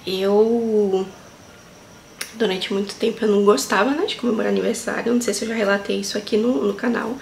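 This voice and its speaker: A woman's voice: medium pitch, fairly even intonation, brisk, gravelly, a little mellow. A woman in her twenties vlogging to camera, speaking in an earnest, heartfelt way and often checking in with her viewers. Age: 20s. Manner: earnest, heartfelt, leans on fillers like "sabe" and "né". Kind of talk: casual reflective vlog talk. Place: small tiled room indoors. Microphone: camera at close range. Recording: echoey tiled room, faint noise.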